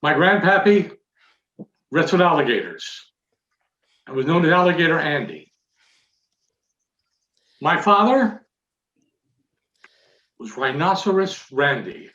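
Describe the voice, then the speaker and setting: A man telling a mock-serious tall tale as a theatrical storytelling speech, with dramatic pauses and deliberate phrasing. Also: high voice, fairly bright tone. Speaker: Toastmasters contest speaker telling a tall tale. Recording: echoey room, dull muffled audio.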